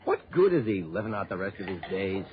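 An actor playing a shifty saloon keeper who talks tough, in a 1960s radio drama. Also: male voice, low-pitched, big pitch swings, fast, phone-quality sound, a crowd in the background. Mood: sneering. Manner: sneering, tough-talking.

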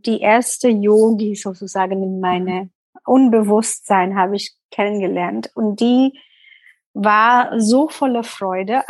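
A woman's voice: medium pitch, a little mellow, dry recording, poor audio. A middle-aged woman with an Indian accent, a guest in an interview, speaking thoughtfully and searching for words. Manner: thoughtful, searching for words, mixing in English phrases. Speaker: interview guest, yoga teacher. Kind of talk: interview conversation.

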